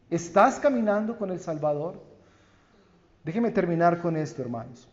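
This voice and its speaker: A Colombian pastor preaching in a church with a fairly high voice, speaking slowly and earnestly. His lines rise and then fall away into hushed phrase endings. The sound is dull, with a long reverb trailing each word. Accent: Colombian Spanish. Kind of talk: sermon. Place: church sanctuary.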